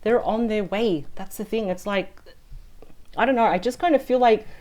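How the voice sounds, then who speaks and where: A woman reading tarot cards, chatty and thinking aloud. Her voice is husky and a little weak after a sore throat. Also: mid-range voice, normal speed, a little mellow. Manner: chatty and thinking aloud, often adds "right?". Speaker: tarot reader. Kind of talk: weekly tarot card reading.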